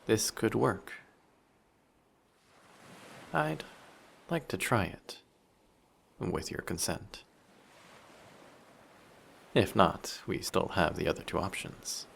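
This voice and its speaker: A man voicing a flirty, possessive sea monster in human guise for an intimate roleplay audio drama, measured and politely menacing. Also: on the low side, lively intonation, gravelly, a bit bright, a little hiss or hum, heavily acted. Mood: seductive, coaxing.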